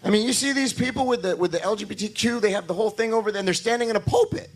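A hoarse pastor preaching from the pulpit in a fairly high voice. He drives his points home with repetition and rising emphasis, and he talks straight to the congregation, asking them for amens. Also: rapid-fire. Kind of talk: sermon.

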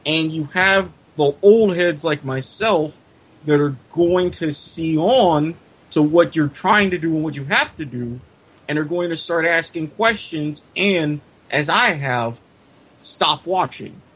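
Husky male podcast co-host. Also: fairly high pitch, a bit bright, low-quality recording. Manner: opinionated, joking. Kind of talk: casual chat.

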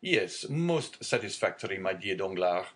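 A man's voice: sits low, sing-song, normal speed, voice pushed down. A man voicing a genial, fatherly middle-aged shipowner.

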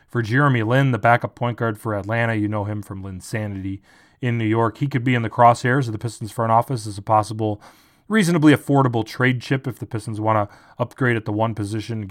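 A man hosting a sports podcast, talking casually and sarcastically with lots of fillers and restarts. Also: fairly low pitch. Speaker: podcast host.

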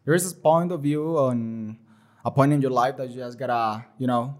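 A man's voice: medium pitch, moderate pace. Young Colombian man, easygoing guest. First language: Spanish. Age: 20s. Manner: relaxed, loose non-native phrasing with many fillers. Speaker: guest, liquor store owner. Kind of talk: casual podcast chat.

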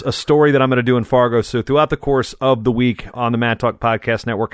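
A man hosts a wrestling podcast and asks questions in a chatty, conversational way. His voice sits at a middle pitch, and the recording is dry and close. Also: no echo. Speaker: podcast host. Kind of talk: podcast interview.

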